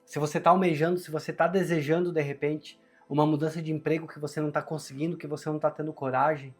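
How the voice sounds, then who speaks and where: Brazilian man with strained, sore-throated, higher voice. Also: flat delivery, fast talker, darkish tone, slightly rough, soft background music. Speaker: tarot reader, channel host. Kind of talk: conversational tarot reading to viewers.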